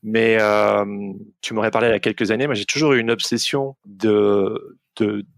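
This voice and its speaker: A young man hosts a relaxed podcast conversation, searching for words with frequent fillers and restarts. His voice sits fairly low. The sound is dry and close, with no room echo. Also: moderate pace, gravelly. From Belgium. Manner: hesitant, many restarts and fillers. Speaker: podcast host. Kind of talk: casual interview chat.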